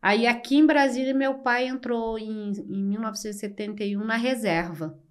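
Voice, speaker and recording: An older woman from Brazil, a podcast guest telling her life story slowly and reflectively, with many pauses. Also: a little high, steady tone. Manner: slow, reflective, with frequent pauses and fillers. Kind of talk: personal storytelling in an interview.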